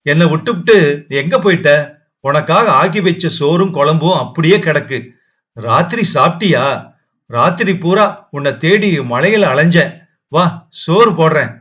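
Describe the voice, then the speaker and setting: A man's voice: a little high, animated, normal speed, fairly bright tone. A man voicing a distraught feverish young wife. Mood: weak pleading. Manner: wailing, sobbing pleas. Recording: dull lo-fi audio.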